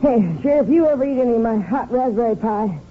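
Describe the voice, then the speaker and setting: A woman's voice: fairly high pitch, animated, fast, lightly acted. Woman playing folksy diner lady, chatty n hospitable, tinny old radio show. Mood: friendly, eager. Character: heavy-set, chatty, hospitable small-town lunchroom proprietress. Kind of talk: 1950s radio western acting.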